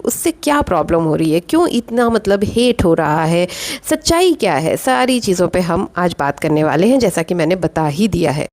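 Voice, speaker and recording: A woman's voice: medium pitch, a little mellow. Woman, vlog host, casual commentary, opinionated and chatty, rhetorical questions. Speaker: vlog host reviewing other vloggers.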